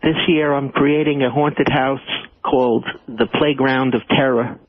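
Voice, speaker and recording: Man as creepy male inmate for prank call, ordinary pitch, narrow phone-like sound. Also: steady tone, a little slow, dry recording, lightly acted. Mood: lewd, eager. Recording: tinny, narrow phone line.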